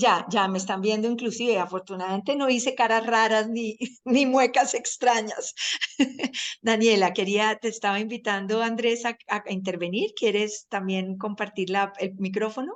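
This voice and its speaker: Speaking in a normal speaking voice, a woman talks at a moderate pace with a fairly high pitch and fairly even intonation against a quiet background. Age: 60s. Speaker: course instructor. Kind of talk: online course session. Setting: video call.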